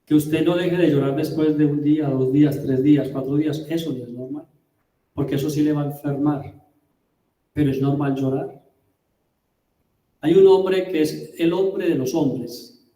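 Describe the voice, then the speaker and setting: A man preaching a sermon as a pastor, emphatic, with rhetorical questions and drawn-out words. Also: fairly high pitch, fairly even intonation, dark tone. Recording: roomy, distant mic.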